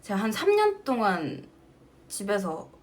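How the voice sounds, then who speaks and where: A woman chats casually with her fans over a livestream, her pitch swinging widely as she tells stories. She laughs often between phrases and keeps an easy, animated way of talking. The sound comes through a phone mic. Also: unhurried, a little hiss or hum. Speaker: singer hosting a fan livestream.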